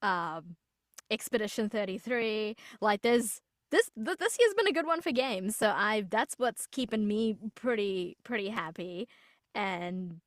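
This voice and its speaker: A woman's voice: mid-range voice, a little slow, no echo. A young woman voice actor from New Zealand chats in an upbeat way. She often restarts her sentences. Her voice sits mid-range and sounds dry and close. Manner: chatty, upbeat, with frequent restarts. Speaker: voice actor guest. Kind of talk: casual interview chat.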